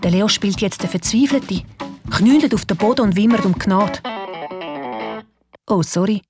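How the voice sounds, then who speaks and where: A woman with a Swiss German accent narrating a children's radio play in a lively, expressive way. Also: mid-range voice, moderate pace, over music. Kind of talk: storytelling narration.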